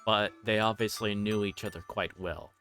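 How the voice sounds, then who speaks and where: A man's voice: lowish voice, fairly even intonation, moderate pace, pushed and bright. Man livestreaming a visual novel, music behind. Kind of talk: reading game text aloud, casual commentary.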